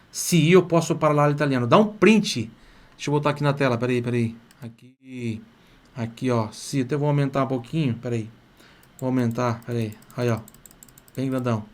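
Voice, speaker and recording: A middle-aged Brazilian man with a Brazilian Portuguese accent runs a lively online Italian lesson. He talks in a chatty, encouraging way and slows right down to model phrases for his students to repeat. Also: mid-range voice. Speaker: Italian teacher. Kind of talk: live online language lesson.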